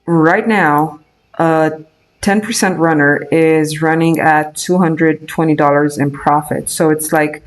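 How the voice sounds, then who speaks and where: Speaking slowly in a steady, somewhat high voice, a young Romanian day trader with a matching accent chats on his live stream. His talk is casual and exploratory, full of filler words and false starts.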